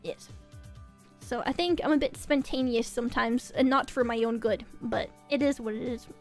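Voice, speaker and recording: Young woman streamer, high voice, casual rambling chat, soft music underneath. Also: steady tone, moderate pace. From Norway. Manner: rambling, restarts and repeats words.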